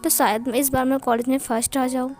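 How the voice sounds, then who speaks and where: A woman's voice: sits high, flat delivery, quick pace, darkish tone, faint music behind, lightly acted. Woman reading as a shy, stammering college boy. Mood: flustered. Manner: stammering, flustered. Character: shy flustered young male college student. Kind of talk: amateur fan-fiction reading.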